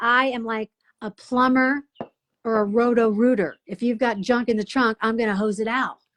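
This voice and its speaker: A woman with a plain, everyday voice speaks at a fairly high pitch and a moderate pace. Her intonation is fairly even, and the sound is dry and close with no echo. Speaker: spiritual intuitive and retreat leader. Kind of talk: interview.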